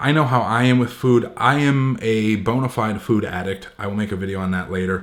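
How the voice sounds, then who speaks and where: An animated man at medium pitch, fairly quick with hardly any pauses and ordinary pitch variation. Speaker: vlogger, creative director. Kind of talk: casual vlog monologue. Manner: fast.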